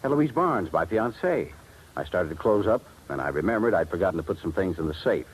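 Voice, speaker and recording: A man's voice: sits low, sing-song, fairly quick. A man playing an anxious, aggrieved jeweler in 1950s radio drama, explaining himself earnestly. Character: anxious, aggrieved male jeweler, robbed and nearly ruined. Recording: noisy vintage 1950s radio recording.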